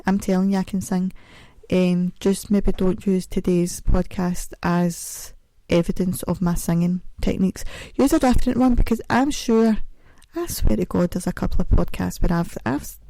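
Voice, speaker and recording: A woman's voice: normal speed, gravelly, dark tone, no room sound, low-quality recording. A woman hosting a podcast in a casual, self-mocking ramble, speaking carefully around a sore mouth after dental work. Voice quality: deep voice. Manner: chatty, self-mocking, sings snatches. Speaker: podcast host. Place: home, audio only.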